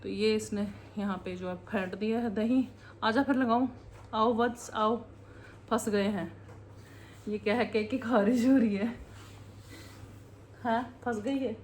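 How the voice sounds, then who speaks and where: Cooking at home, a mother who vlogs rambles through a casual chat and laughs a lot. She speaks slowly with long pauses, in a steady, slightly mellow voice on the high side, over a little hiss or hum.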